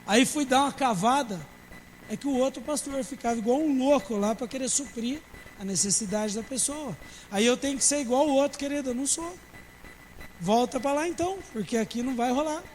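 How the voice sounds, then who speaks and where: A man's voice: extremely high pitch, brisk, long reverb tail, a little hiss or hum, rough recording. A man, a pastor preaching a sermon with humor and acting out church members in dialogue. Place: church service.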